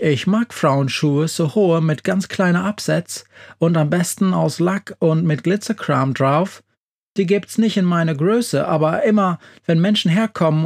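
A man voicing a big, hairy, soft-hearted male monster who loves fancy shoes, in a children's audio story. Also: on the high side, vocal fry, pitched above the performer's own voice. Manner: bashful, excitable, tearful.

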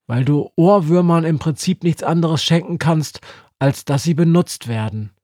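A man's voice: a little high, moderate pace, dark tone, no room sound, clean studio sound, voice pushed up, natural voice. A man voicing a grumpy, stubborn old female Christmas witch. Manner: cranky, stubborn.

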